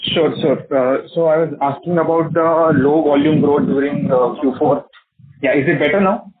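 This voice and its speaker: A man's voice: on the high side, normal speed, a little hiss or hum. A man, a financial analyst putting questions to management on an earnings call over the phone. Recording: muffled narrow phone line.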